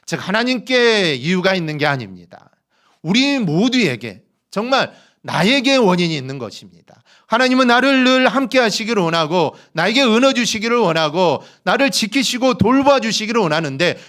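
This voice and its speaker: Male pastor in the pulpit, high and lively voice, preaching with rising emphasis and rhetorical questions. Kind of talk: sermon. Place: church sanctuary.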